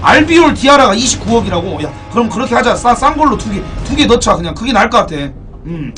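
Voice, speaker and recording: A young man live-streaming a game, excitable and profane, thanking donors as he plays. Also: high-pitched, fast talker. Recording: distant mic, background music.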